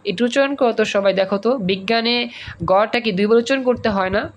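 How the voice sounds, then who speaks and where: A man's voice: very high-pitched, quick pace, a little hiss or hum. A male teacher, teaching an online class over a video call and drilling students with repeated questions and examples. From Bangladesh.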